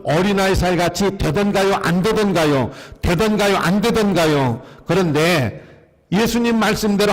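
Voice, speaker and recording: A man's voice: sits high, long reverb tail. A male pastor preaching a sermon, asking the congregation questions and having them repeat lines after him. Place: church sanctuary.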